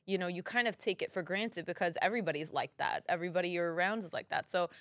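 A woman, telling stories in an animated, joking way as a studio guest. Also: fairly low pitch, quick pace, no room sound. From Brooklyn, New York. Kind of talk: casual interview chat.

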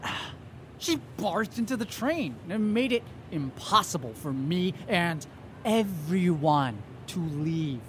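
Touchy, animated young Asian American guy. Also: high voice, takes it slowly, slight background noise. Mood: defensive. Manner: evasive, sarcastic, self-justifying. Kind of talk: comedic audio drama acting.

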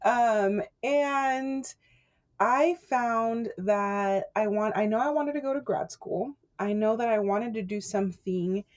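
A woman's voice: fairly high pitch, slow pace, darkish tone. A woman guest who grew up speaking Spanish, chatting casually in an interview and telling her story with lots of laughter. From California.

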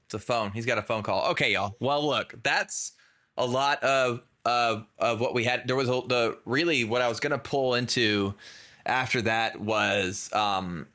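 A man co-hosting a casual gaming podcast, hoarse and losing his voice from being sick, rambling through his points with lots of fillers. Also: medium pitch, pushed and bright, no room sound. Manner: rambling, filler-heavy, says y'all. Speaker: podcast co-host.

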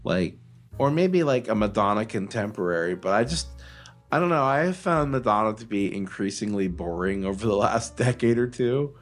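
A man's voice: fairly low pitch, expressive, normal speed, faint music behind. A man podcast host chatting casually in a rambling, joking way. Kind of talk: casual chat.

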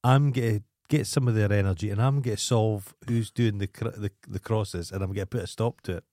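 A man's voice: lowish voice, fairly quick, warm tone, no room sound, studio quality. A Scottish man co-hosting a podcast in casual comic banter, sweary and indignant as he rants. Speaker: podcast co-host.

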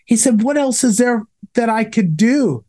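A man's voice: very high voice, lively intonation, unhurried, darkish tone. A man hosting a Christian podcast, interviewing a guest with enthusiastic, affirming remarks and long reflective questions. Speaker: podcast host.

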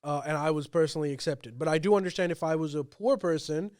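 A man from Pakistan, a native Urdu speaker, co-hosting a casual podcast. His voice is fairly high for a man and smooth, and it sits close and dry on the mic. He explains at length in loose, informal runs. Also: quick pace, a little mellow, no room sound. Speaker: podcast co-host.

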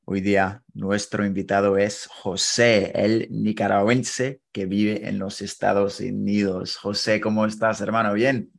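A man's voice: fairly low pitch, flat delivery, unhurried, vocal fry, hardly any pauses. A man from England with an English accent, a native English speaker, hosting a casual podcast interview. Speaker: podcast host.

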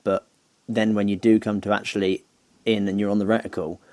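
A man chatting casually on a podcast, easygoing and quick to agree and chuckle. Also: on the low side, flat delivery, darkish tone, no echo.

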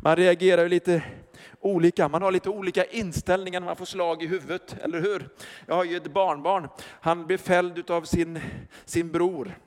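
Older man, pastor, sermon, high-pitched, lively, quizzes the congregation, long church-hall echo. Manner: lively, asks the congregation questions, jokes.

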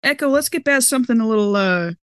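A woman's voice: on the high side, lively intonation, fast, smooth, no room sound, studio quality. A woman playing a tabletop roleplaying game, slipping between casual table talk and improvised character lines in a slangy, playful way.

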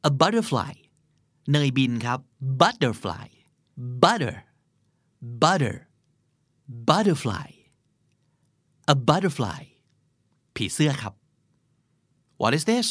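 Guy teaching vocab, chatty, swoops up and down a lot, says words slow and clear, dry close sound. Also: on the high side, no room sound. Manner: repeats English words slowly and clearly; lively, chatty teacher asking quiz questions. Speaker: host. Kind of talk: vocabulary lesson podcast.

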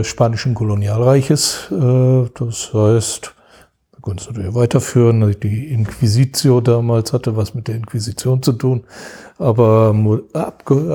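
A man's voice: lowish voice, dark tone, husky. A man speaking as an expert guest in an interview, explaining history in a lecturing way, often restarting and searching for words. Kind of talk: academic interview talk.

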